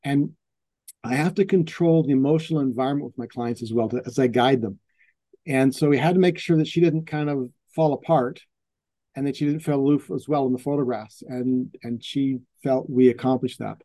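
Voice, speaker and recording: A man's voice: medium pitch, brisk, no room sound. A man, a portrait photographer, casually telling stories about his clients in an interview, acting out their voices and restarting his sentences often. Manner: animated, acts out quoted voices, restarts often.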